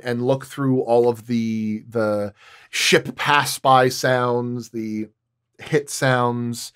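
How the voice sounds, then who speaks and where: Guy sound designer just chatting, mid pitch, kinda halting as he explains stuff. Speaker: sound designer on an audio drama, guest. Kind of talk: casual roundtable chat.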